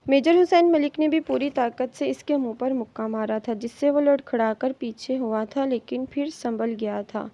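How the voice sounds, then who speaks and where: A woman reading a romance novel aloud in steady audiobook narration. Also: high voice, few pauses. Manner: steady storytelling. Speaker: novel reader. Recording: dull lo-fi recording.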